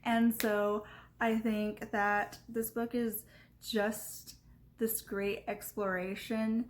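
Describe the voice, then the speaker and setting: A woman with a Californian Valley Girl accent talks off the cuff, as if for a video review. Her delivery is unhurried and thoughtful, with halting phrases and casual filler words. Her voice sits at an ordinary middle pitch. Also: a little mellow. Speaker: book reviewer.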